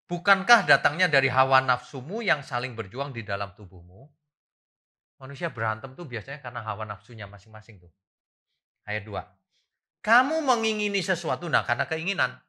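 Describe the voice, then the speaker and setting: A middle-aged man preaching a sermon as a pastor, asking the congregation questions and swinging from quiet asides to loud exclamations. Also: medium pitch.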